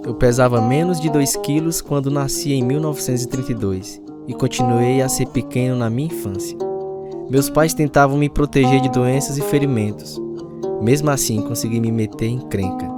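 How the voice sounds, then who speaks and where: A man's voice: medium pitch, normal speed, loud music behind the voice, close to an everyday voice. A man with a Brazilian accent playing a reflective older man telling his life story in a radio drama. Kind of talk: first-person scripted radio narration.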